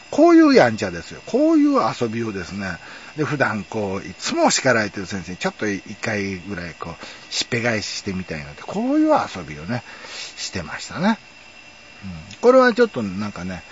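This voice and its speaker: A man's voice: fairly low pitch, lo-fi sound, a little hiss or hum. A man, hosting a casual, rambling monologue full of fillers. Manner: rambling, nostalgic storytelling with many fillers. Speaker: podcast host.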